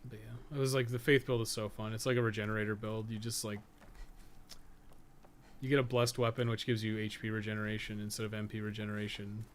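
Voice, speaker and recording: A man's voice: lowish voice, flat delivery, fast talker, a little hiss or hum. A man giving casual live gameplay commentary, rambling and thinking aloud in loose, sometimes profane language. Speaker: podcast co-host and gaming streamer.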